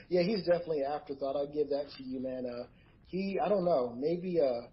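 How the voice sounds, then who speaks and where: A man's voice: fairly high pitch, a little fast, lo-fi sound. A man calling in from home as a guest on a wrestling podcast, sarcastic and mocking. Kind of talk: casual wrestling chat.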